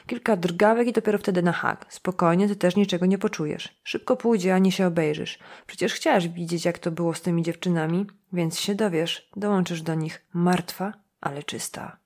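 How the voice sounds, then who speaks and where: Villain: sneering older slaughterman killer, read by a woman, pitched low, unhurried and menacing. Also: a little mellow. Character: cruel older male former slaughterman, gloating killer.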